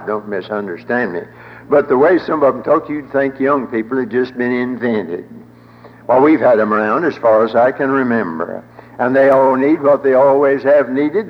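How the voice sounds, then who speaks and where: An older man preaching a sermon with a folksy, wry humor and a rolling preacher's cadence. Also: medium pitch. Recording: dull old broadcast in a reverberant hall.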